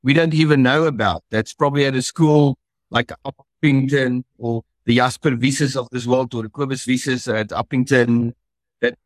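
Rambling rugby pundit. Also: male voice, medium pitch, fairly even intonation, moderate pace, no room sound. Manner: rambling, hesitant. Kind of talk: podcast discussion.

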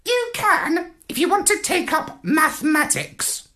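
A storyteller voicing a bossy, clever male parrot commander who talks in a shrill, scornful, know-it-all way. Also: sing-song, measured pace, pushed and bright, exaggerated voice. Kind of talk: storybook read-aloud.

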